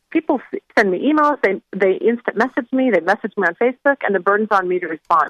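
A woman with an American accent talks at a fairly quick pace with lively intonation, in an ordinary speaking voice. The sound is dry and close, with no echo. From US Southwest, Phoenix, Arizona. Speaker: author and ministry communications director. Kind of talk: radio interview.

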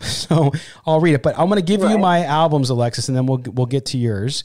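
A man talks with ordinary pitch variation in a dry, close recording with no echo. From US West Coast, North San Diego County. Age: 50s. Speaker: podcast host and sports radio host. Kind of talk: casual chat.

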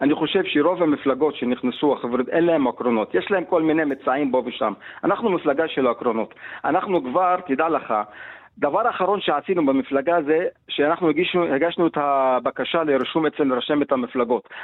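A man talks at a moderate pace in a normal speaking voice, pitched fairly high. His loudness stays very even, with ordinary pitch variation. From Golan Heights, Druze. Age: 40s. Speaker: party founder, former teacher. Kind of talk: radio interview.

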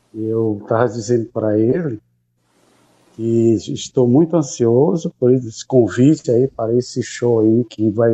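A man talks at a very slow pace in a medium pitch. The sound is dry and close with no echo. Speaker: guitarist. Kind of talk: interview.

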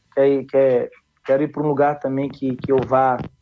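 Speaking at a moderate pace, a man with a dark, mellow tone and fairly high pitch keeps his intonation flat and monotone. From Brazil, Rondônia (Guajará-Mirim). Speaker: professional footballer (striker). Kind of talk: casual interview.

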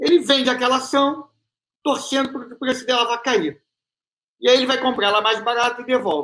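A man speaks in a raised, projected voice at an extremely high pitch, with a bright, sharp tone. He leaves long, frequent pauses, and his pitch variation is ordinary. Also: fairly quick pace. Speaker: media company co-founder. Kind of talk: interview explanation. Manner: clear.

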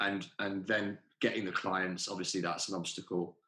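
A man with a southern English accent talks at a moderate pace in a very deep, low pitch. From Oxford, England. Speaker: singing teacher. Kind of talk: casual interview.

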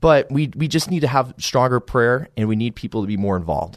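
This man has an unremarkable speaking voice with a General American accent. He talks fairly quickly with lively intonation. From Colorado. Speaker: faith-politics organization representative. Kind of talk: interview.

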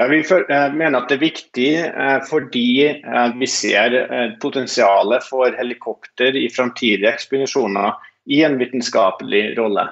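Here a man speaks at a medium pitch. His pace is very slow, with ordinary pitch variation. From Norway. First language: Norwegian (speaking Danish). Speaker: aerospace engineer. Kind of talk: interview. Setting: Skype call.

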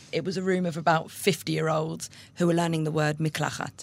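The voice carries a London accent on a very clean recording with a silent background. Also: woman. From London, England. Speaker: sex blogger. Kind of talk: casual interview chat.

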